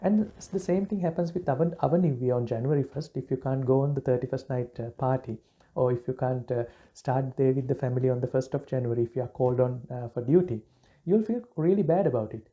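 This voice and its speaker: A man from Sri Lanka, a Buddhist monk giving a relaxed dharma talk, pausing often with fillers and restarts. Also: mid-range voice, lo-fi sound. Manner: halting, many fillers and restarts.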